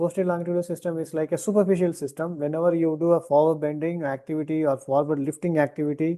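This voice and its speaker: A man speaks at a very fast pace, his voice fairly high in pitch with a dark, mellow tone. The background is quiet. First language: South Indian language, not Telugu. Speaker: sports physiotherapist teaching a webinar. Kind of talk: online lecture. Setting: online webinar. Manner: hesitant, many fillers and restarts.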